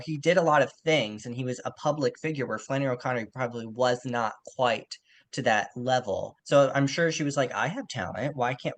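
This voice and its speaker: Guy podcast co-host chatting about books, slangy and opinionated, really casual. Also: mid-range voice. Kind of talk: casual literary discussion.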